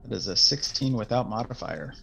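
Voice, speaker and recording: A man's voice: medium pitch, expressive, brisk, creaky, fairly bright tone, slightly rough. A man playing a tabletop role-playing game, talking casually with somewhat formal, stilted phrasing. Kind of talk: casual role-play talk. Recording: dull lo-fi sound, music behind.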